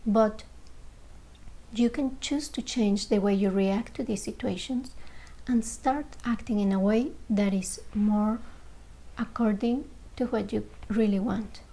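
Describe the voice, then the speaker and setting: A woman leading a guided meditation, speaking slowly and gently in short phrases with long pauses, sometimes dropping to a soft near-whisper. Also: medium pitch, fairly even intonation, low-quality recording.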